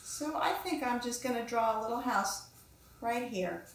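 A woman in her fifties, an author and illustrator, gives young children a casual lesson in a fairly high voice with lively intonation at a normal speed. She muses aloud and encourages the viewer with questions. The small indoor room around her is clearly echoey.

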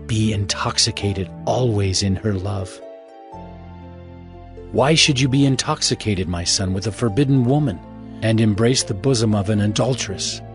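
A man's voice: on the low side, moderate pace. A man giving a dramatized scripture reading as narrator, in a solemn, fatherly, exhorting manner. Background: music.

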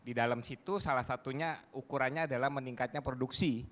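A man's voice: mid-range voice, quick pace, fairly bright tone. A man speaking as a talk show panelist, arguing insistently and backing each point with figures. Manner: argumentative, presses points with figures.

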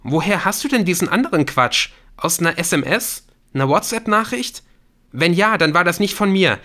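Audiobook role: accused young boyfriend, voiced by a male narrator, urgent, lifted pitch, bright and tense. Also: expressive, normal speed. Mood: bewildered, defensive. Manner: earnest, urgent, defensive. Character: anxious, pleading young man, the accused boyfriend.

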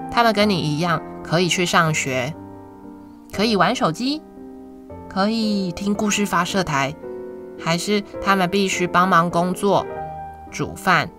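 A woman with a Taiwanese Mandarin accent hosts a children's story show, reading a picture book as if to a toddler in a sing-song way, with drawn-out words and questions to young listeners. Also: lowish voice. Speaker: children's storytelling podcast host. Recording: music behind the voice. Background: instrumental music.

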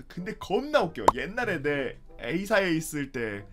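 A young man streaming, telling a funny story from his student days in a casual, animated way, acting out his friends' lines with sudden loud, high bursts. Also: a little slow.

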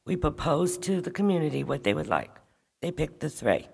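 A woman on a town council makes her case at a public meeting, firm and insistent, coming back to the same point. Her voice is gravelly and husky. It is picked up by a table mic and rings with long reverb from a large auditorium. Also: low voice, sing-song, moderate pace, darkish tone.

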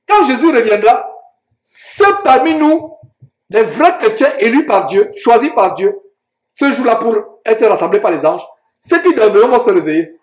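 A man's voice: extremely high pitch, a little mellow, echoey room. A man preaching a sermon, reading Bible verses aloud and explaining them with emphatic rhetorical questions.

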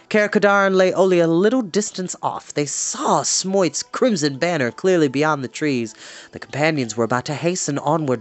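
A young adult man with an American accent, hosting an expressive storytime reading with casual asides. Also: a little high. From East Cleveland, United States. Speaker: storytime host. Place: small indoor home room with shelves.

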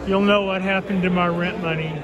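A woman on a handheld phone, ambling through a packed indoor expo and chattering on in a rambling, delighted way. A loud crowd chatters all around her, close to the mic. The sound is plain, casual phone audio from a crowded hall. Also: on the low side, steady tone, fairly quick, muffled recording. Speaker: vlogger touring a bonsai expo. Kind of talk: handheld walk-through commentary. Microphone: handheld phone camera.

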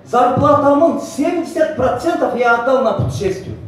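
Speaking at normal speed, a middle-aged male network marketing speaker and senior manager with a Central Asian accent motivates a crowd in two languages. His high voice is animated and emphatic, boastful and heavy on rhetorical questions. He's on stage in a large hotel banquet hall, captured from afar by an audience camera amid echo and noise.

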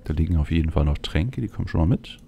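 A man's voice: a bass voice, animated, fast talker, creaky, dark tone, a little hiss or hum. A man giving casual video game commentary as a let's play host, thinking aloud as he goes. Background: faint game ambience.

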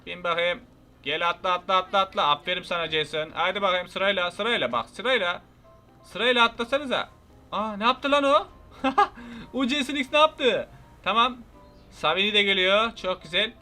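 A young man commentates his gameplay in a high, bright, sharp voice. He is excitable and keeps up a running chatter to himself and his viewers, with faint music underneath. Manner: excitable, talks to himself and viewers, frequent exclamations. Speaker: gaming YouTuber.

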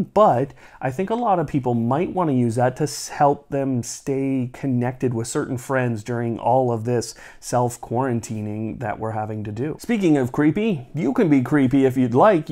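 Male tech host, thirties, mid-pitched voice, explanatory presenting from a small indoor studio. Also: a little mellow. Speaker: host of a smart home tech channel.

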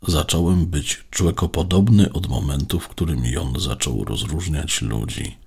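A man voicing a gentle, modest and earnest caretaker robot who speaks politely. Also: very deep voice, measured pace, vocal fry, slightly rough, heavily acted. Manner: polite, conscientious.

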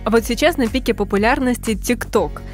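A woman's voice: on the high side, fairly quick, soft background music. A woman in her twenties hosting a radio interview, asking questions in a light, playful way into a studio microphone. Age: 20s. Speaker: radio host. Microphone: large studio mic on boom arm, wearing headphones.

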